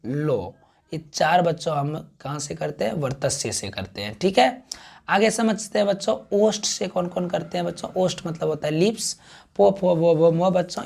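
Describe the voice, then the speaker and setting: A man teaching a grammar class, who keeps calling out to the children, sounds out syllables slowly and answers his own questions. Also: high-pitched, gravelly, darkish tone.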